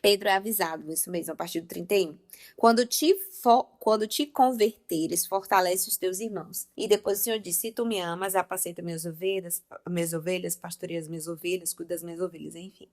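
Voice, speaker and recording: Gravelly-voiced woman preaching informally. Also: fairly low pitch, brisk, a little mellow. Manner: conversational, acts out dialogue from scripture. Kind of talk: informal sermon.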